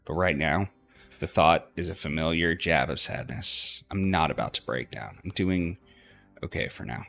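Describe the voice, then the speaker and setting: A man's voice: very deep voice, moderate pace, gravelly, a bit bright, soft background music. A man hosting a let's play, reading visual novel narration aloud and now and then stumbling over words.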